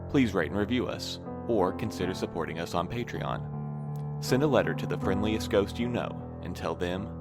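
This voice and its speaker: A very low-pitched man delivers a scripted podcast sign-off. Loud plucked guitar plays behind his announcement. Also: normal speed. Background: guitar music.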